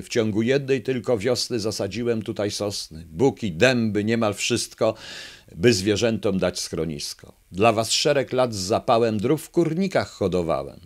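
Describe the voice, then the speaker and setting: Guy putting on a crafty fox politician, boastful and loud, rhymes everything. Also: lowish voice. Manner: rhyming pompous campaign speech, raised and louder. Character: sly scheming male fox running for president.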